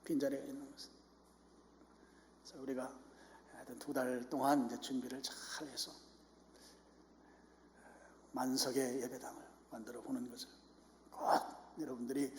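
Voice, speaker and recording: Pastor preaching in an echoey hall. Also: male voice, medium pitch, fairly even intonation, normal speed, long pauses, a little hiss or hum. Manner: rising to loud impassioned urging. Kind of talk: sermon. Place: church sanctuary.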